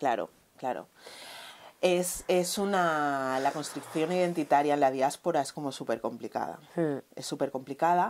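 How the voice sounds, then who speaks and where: Over light background noise, a woman with a very deep, low voice speaks at a fairly slow pace with ordinary pitch variation. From Catalonia, Spain (Vilanova i la Geltrú). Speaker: anti-racist activist and communicator. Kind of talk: conversational dialogue. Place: shop. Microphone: lapel.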